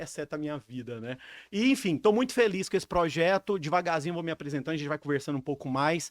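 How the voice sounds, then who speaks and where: Speaking at a very fast pace with a Goiás accent, a man uses a high voice and lively intonation on a very clean recording with a silent background. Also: dry, close sound with no echo. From Goiânia, Goiás, central Brazil. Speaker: podcast host, professor. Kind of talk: casual podcast chat.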